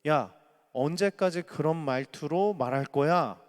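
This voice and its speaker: A man's voice: on the high side, very animated, moderate pace. A man voicing Bildad, a self-righteous male friend who lectures bluntly and rudely. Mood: scolding. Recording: echoey church hall.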